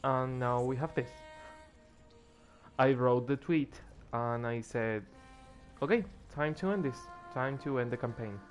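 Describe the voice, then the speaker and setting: Losing his voice as he plays, this weary streamer rambles through casual gameplay commentary over faint music. His voice is mid-range and a little slow, and he starts over when he's moved.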